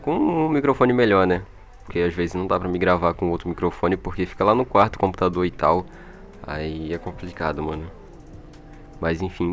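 A man with a Brazilian accent giving casual, slangy, chatty gameplay commentary into an old microphone. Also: sits low. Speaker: gaming video creator. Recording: music behind, old microphone.

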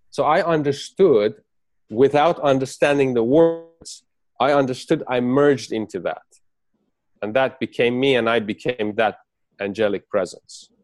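This interview guest on a video call is a Persian man brought up in the UAE, with Farsi as his first language; his account comes out halting, with many restarts. He has a medium-pitched, darkish voice, captured in a dry recording.

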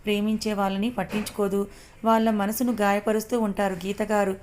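Sarcastic teasing young man, fast and level, read by a woman. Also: mid-range voice, little pitch movement, a little mellow, natural voice.

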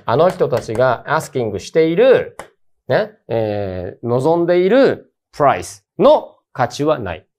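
A man's voice: medium pitch, very animated, slow pace, darkish tone. A man teaching an English grammar lesson for university entrance exams, talking in a casual, emphatic, colloquial way. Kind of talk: casual exam-prep lecture.

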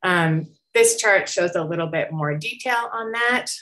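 Low-pitched woman presenting research, conversational. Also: measured pace, a bit bright. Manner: conversational, explanatory, with frequent hedging and rising check-ins. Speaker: academic researcher presenting survey results. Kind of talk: informal slide presentation. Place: indoor room, on a video call.

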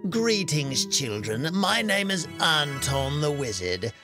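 Woman doing a mocking evil old wizard, storybook villain, swooping and slow. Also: low voice, very animated, music in the background, voice pushed down, exaggerated voice. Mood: sneering. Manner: haughty, sneering, theatrical.

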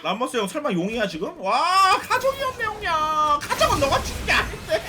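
A man streaming a game, yelling catchphrases and cackling through excited live commentary. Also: extremely high pitch, a little fast. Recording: loud noisy game stream.

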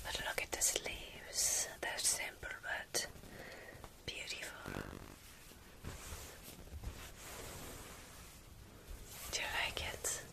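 A woman in her thirties playing a motherly, protective vampire mentor in a soothing, breathy whispered ASMR roleplay, with formal phrasing. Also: slow, lightly acted, rough recording. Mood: soothing, reassuring.

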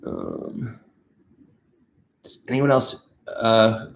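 A man's voice: fairly low pitch, huge pitch swings, very slow, vocal fry, a little hiss or hum. A man in his thirties, stuffed up from allergies, chatting casually with viewers on a livestream from his living room. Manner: chatty, upbeat, reads out viewer messages. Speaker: channel host. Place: living room with a couch, indoors. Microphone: camera facing him at close range.

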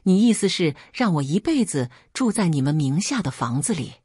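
A woman's voice: lowish voice, big pitch swings, normal speed, a little mellow, slightly rough, no echo, studio quality. A woman reading the lines of a spoiled, hot-headed younger brother who snarls and resents. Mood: resentful.

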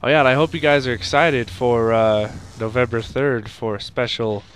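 A man's voice: medium pitch, fairly even intonation, moderate pace, slight background noise. Stuffy-nosed young man narrating his gameplay. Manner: rambling, makes sound effects and shouts at the game. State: stuffy nose from a cold. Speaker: let's play host. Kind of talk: casual gameplay commentary.

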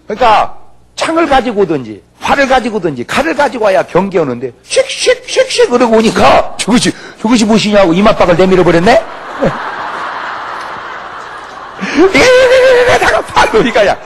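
Funny pastor man in his 60s, raspy voice, acts out every character, shouts now and then. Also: high-pitched, huge pitch swings, fast. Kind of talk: humorous revival sermon.

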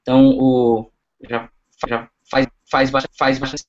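Young male lecturer, halting delivery full of fillers, mid-pitched, webcam audio slightly muffled. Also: level tone, noisy background. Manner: halting, frequent fillers and restarts. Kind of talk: online lecture over slides.

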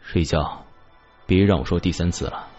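A man's voice: deep voice, moderate pace, a little mellow, husky, muffled recording, faint music behind. A man voicing a cold, aloof young man who speaks curtly and dismissively in an audiobook. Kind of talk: audiobook dialogue.

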